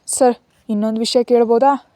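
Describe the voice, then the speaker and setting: Humble young nanny, read by a woman, earnest and polite, mellow high-ish voice. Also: steady tone, fairly quick, no room sound, studio quality, lightly acted.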